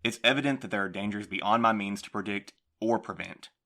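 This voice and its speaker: An actor playing a defensive postmaster in an audio drama, speaking in a measured, placating way. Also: male voice, lowish voice, pushed and bright. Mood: weary. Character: defensive male postmaster, guarded boss.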